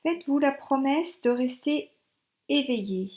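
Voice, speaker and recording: Mellow higher-pitched woman guiding relaxation. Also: lively intonation, measured pace. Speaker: yoga nidra instructor. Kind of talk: guided relaxation meditation.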